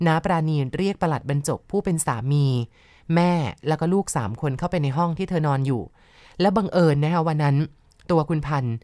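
A woman with a low voice narrates a ghost story in a polite, chatty manner, adding soft asides to her listeners. The recording is dry and close, with no echo. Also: fairly quick. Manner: polite, conversational, adds soft particles and asides. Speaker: storyteller and channel host.

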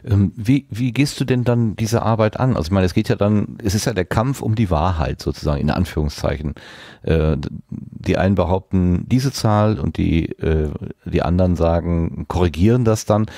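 A man's voice: sits low, moderate pace, creaky, mellow, no room sound, studio quality. A man hosting a conversational podcast interview, asking long questions that he rephrases as he goes. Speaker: podcast host interviewing a guest.

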